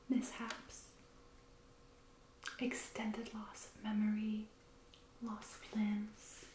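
A woman playing a mysterious, softly menacing witch shopkeeper in a hushed, deliberate ASMR role play. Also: mid-range voice, reverberant, noisy background, close to an everyday voice. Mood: cool, businesslike. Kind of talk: soft-spoken whispered ASMR role play. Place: small indoor room, candlelit set.

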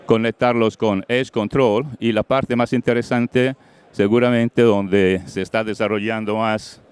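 A middle-aged Colombian man acting as panel moderator presents on a large event stage, holding a handheld mic. His voice is lowish and clean, and he halts often with fillers, slipping into English words.

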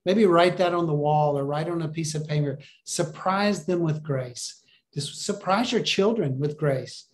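A man's voice: fairly high pitch, measured pace. Earnest man preaching over a video call. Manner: earnest, encouraging, asks the listeners questions. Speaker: pastor. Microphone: video call webcam.

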